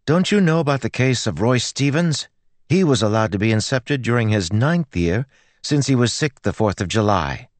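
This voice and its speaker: A man voicing a stubborn, outspoken teenage girl in an audiobook, with a loud, dramatic, insistent manner. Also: mid-range voice, lively intonation, moderate pace, no room sound, voice pushed up, lightly acted.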